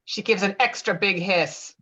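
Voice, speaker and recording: A woman's voice: medium pitch, normal speed, bright, forceful tone, dull audio. A woman casually narrating stage directions in a virtual table read of a script.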